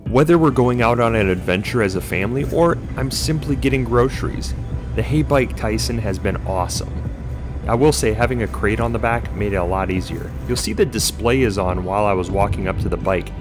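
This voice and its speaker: A man's voice: lowish voice, normal speed. A middle-aged man giving an upbeat, scripted voice-over review of an electric bike. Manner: upbeat, product-focused explanation. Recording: voice-over with music behind. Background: music.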